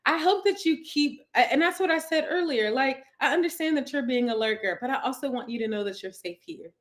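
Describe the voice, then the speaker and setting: A fairly high-voiced woman chats warmly to viewers from her couch at home. She is effusive and talkative, greeting each person in the chat and reading their comments aloud. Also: lively intonation, fairly quick. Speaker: lifestyle coach hosting a live stream. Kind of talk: casual live-stream chat.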